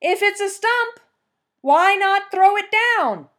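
A woman doing a high shouting hunter. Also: animated, slow pace, exaggerated voice. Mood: calling out. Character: hunter calling out from the forest.

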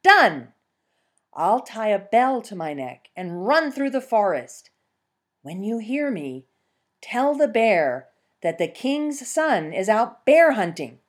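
A woman voicing a clever, scheming female fox who bargains in a sly, lively way. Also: mid-range voice, takes it slowly, breathy edge, voice pushed up, full character voice.

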